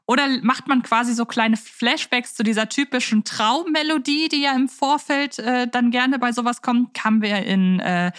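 A woman's voice: on the high side, a bit bright, no room sound, studio quality. A woman hosting a casual fan podcast, talking in an enthusiastic, chatty way. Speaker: podcast host.

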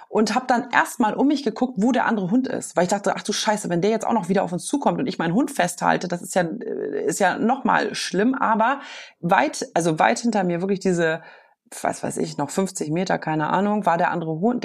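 A woman's voice: medium pitch, darkish tone. A woman telling a story in a casual, agitated way, rambling with many restarts and fillers. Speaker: podcast guest.

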